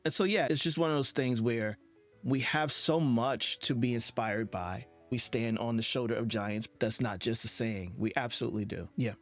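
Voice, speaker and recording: A man with an average-pitched voice hosts an interview. He speaks in a casual, conversational way, with faint music playing behind him. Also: moderate pace. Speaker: interview series host.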